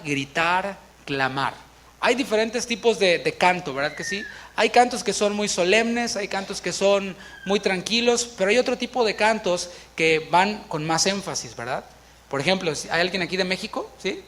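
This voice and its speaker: A man whose voice sits high, with a fairly bright tone, preaches a conversational sermon in a church, asking the congregation questions and acting out little scenes. There's slight background noise.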